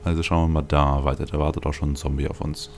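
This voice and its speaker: A man's voice: rumbling low, little pitch movement, quick pace, slight background noise. A man hosting a let's play with casual game commentary, thinking aloud with wry, dry asides. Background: game music.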